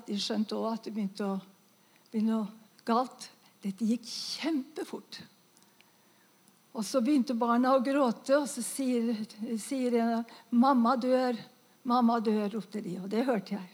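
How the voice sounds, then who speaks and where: A woman giving an emotional faith testimony, dropping to whispers and bursting into loud praise as she tells her story. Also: fairly high pitch. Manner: fervent, exclaims praise often.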